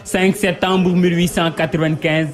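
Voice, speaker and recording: A man's voice: high voice, little pitch movement, moderate pace. A man reciting a devotional poem in a solemn, emphatic, rhythmic and exalted declamation. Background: music under the voice.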